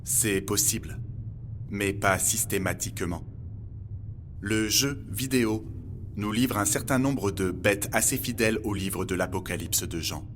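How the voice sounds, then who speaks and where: A man playing a polite robot guide in an audio documentary drama, speaking in a measured, formal way over music. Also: fairly low pitch, a little hiss or hum, close to an everyday voice. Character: polite, earnest male robot guide recounting humanity's end. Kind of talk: scripted documentary fiction narration. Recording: music bed behind the voice.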